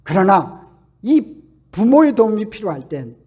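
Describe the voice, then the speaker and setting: A man voicing a wise, loving parent eagle that urges its chick to fly, in loud, slow, ringing words. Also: high voice, very animated, husky, heavily acted. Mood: reassuring.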